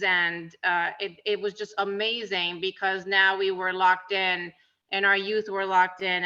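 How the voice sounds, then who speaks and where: Slow, halting woman on a muffled call. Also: mid-range voice, bright, forceful tone. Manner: halting, many repeats and "um"s. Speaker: co-trainer. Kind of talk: online training discussion.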